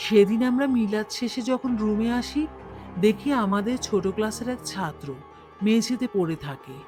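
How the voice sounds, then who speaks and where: A woman's voice: medium pitch, normal speed, over loud music, close to an everyday voice. A woman playing an earnest young madrasa schoolboy in a cartoon. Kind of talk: scripted cartoon acting.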